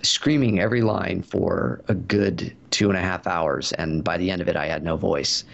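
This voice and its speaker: A man's voice: deep voice, steady tone, moderate pace, vocal fry, dull audio. A man being interviewed about his voice acting work, telling stories in a chatty way with many fillers and restarts. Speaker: voice actor guest. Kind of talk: casual interview answers.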